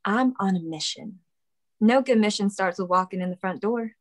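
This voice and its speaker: A woman plays a bold small-town young woman in a drama table read. She is playful and self-assured, teasing in a medium-pitched voice. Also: normal speed, close to an everyday voice.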